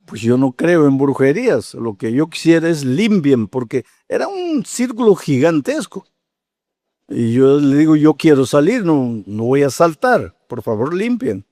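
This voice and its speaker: A man's voice: mid-range voice, mellow, no room sound, studio quality. A man in his eighties preaching a sermon as pastor, telling a story with acted-out dialogue and building to fervent exhortation. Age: 80s.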